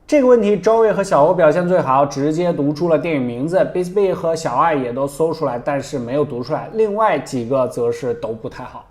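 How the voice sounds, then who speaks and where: Fast-talking man with lively, swooping intonation. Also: on the high side. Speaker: tech reviewer and host. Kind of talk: scripted review narration.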